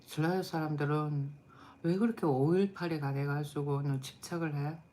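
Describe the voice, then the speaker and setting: Blunt low-voiced woman streamer chatting. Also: fairly even intonation, normal speed, mellow, slight background noise. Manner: blunt, chatty, answers chat comments aloud. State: tired. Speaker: live stream host. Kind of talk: casual live chat with viewers.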